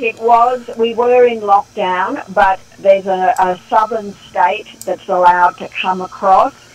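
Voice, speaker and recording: Here a woman speaks in an Australian accent. Her pace is fairly slow. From Australia, Sydney. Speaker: country singer. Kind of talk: interview. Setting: phone call. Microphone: phone line.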